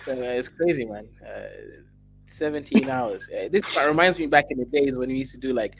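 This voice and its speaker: A man's voice: mid-range voice, a little fast, breathy edge, low-quality recording. A man hosting a livestream panel, chatting loosely and jokily. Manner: loose, jokey, mocking put-on voices. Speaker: stream host. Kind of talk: casual stream chat.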